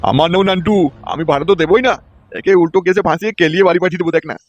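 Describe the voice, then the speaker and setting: A man's voice: high voice, very fast, no room sound, lo-fi sound. A man playing a suspicious, bullying older householder in a comedy cartoon, scolding indignantly. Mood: indignant, threatening.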